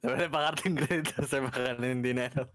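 A man's voice: medium pitch, moderate pace, a bit bright, dry recording. Grumbling, sweary Spanish man, dry sound. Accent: Spain. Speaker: online roleplay gamer. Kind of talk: casual chat among friends.

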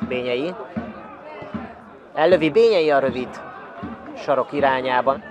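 A man giving excited sports commentary on a football match, raising his voice as chances develop. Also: medium pitch, highs cut off. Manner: excited, rising to shouts at chances. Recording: crowd noise behind, outdoor stadium. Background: crowd at an outdoor football ground.

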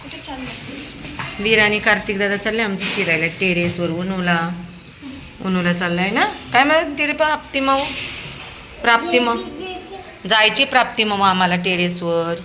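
Against background noise, a woman of medium pitch speaks at normal speed as she films her dog and a small child outdoors on her home terrace. It is a casual home video chat, and she coaxes them along in sing-song baby talk.

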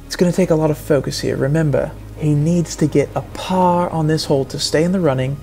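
A man's voice: a little high, brisk, faint music behind. Man doing mock golf play-by-play. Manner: earnest play-by-play, building to excited outbursts. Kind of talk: parody sports commentary.

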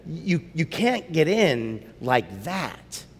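Preacher doing a gentle, wise lion, soft and low, with a long hall echo. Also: male voice, sing-song, husky, full character voice. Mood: gentle, solemn. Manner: slow, low, hushed delivery.

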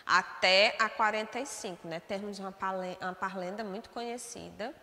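Bright-voiced woman teaching a class. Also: medium pitch, normal speed, long reverb tail. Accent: Brazilian Portuguese. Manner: explanatory, checks in with "né?" and "certo?". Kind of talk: remote class lesson over shared slides.

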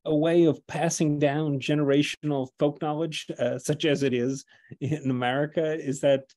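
A man's voice: a little high, level tone, moderate pace, mellow. An older man interviewing a guest over a video call, chatty, asking long rambling questions and often affirming.

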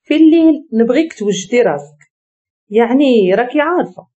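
Woman doing a curt, bossy Moroccan husband, warm dark tone, muffled recording. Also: fairly high pitch, lively intonation, a little fast, lightly acted. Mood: stern. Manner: curt, commanding, threatening. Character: stern domineering young husband.

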